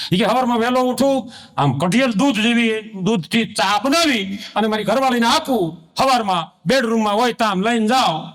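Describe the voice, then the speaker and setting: A man tells a rustic comic story on stage. His voice sits very high, and he acts out family squabbles in a folksy way. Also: a bit bright. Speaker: comedian.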